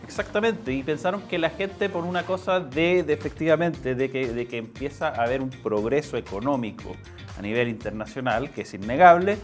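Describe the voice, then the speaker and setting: Male Chilean political commentator, interview guest, medium pitch, explanatory and halting delivery, repeats for emphasis. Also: over music.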